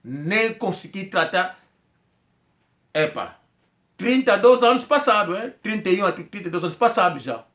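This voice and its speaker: A man's voice: high voice, animated, moderate pace, pauses often, a bit bright. A man tells a personal story in a casual monologue, rambling and repeating himself as he acts out quoted dialogue. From Angola. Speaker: commentator telling a personal story.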